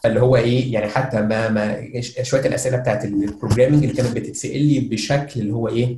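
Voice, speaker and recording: In a normal speaking voice, the speech runs at a fairly quick pace with ordinary pitch variation. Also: man. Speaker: security researcher. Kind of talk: interview.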